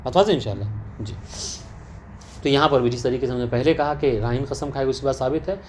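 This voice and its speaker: With slight background noise, a man at medium pitch conducts a religious law lesson for students in attendance. He goes through a text and repeatedly uses rhetorical questions to check that his listeners are keeping pace.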